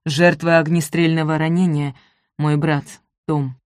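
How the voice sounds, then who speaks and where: Brief: a woman playing a commanding male detective, forceful and clipped, dry close read. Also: low voice, little pitch movement, a little slow, no room sound. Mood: urgent. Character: tough male state police detective, commanding.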